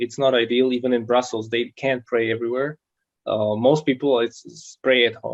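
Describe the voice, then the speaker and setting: A man speaks with a Slovak accent in a monotone, flat intonation. His loudness swings widely. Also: medium pitch for a man, moderate pace. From Slovakia. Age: 30s. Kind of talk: interview.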